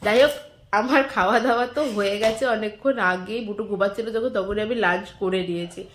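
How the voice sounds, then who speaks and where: A young woman narrating a casual home vlog as a mother, chatty and talking brightly to her toddler between remarks to viewers. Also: medium pitch, fast talker, a little hiss or hum. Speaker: mother vlogger.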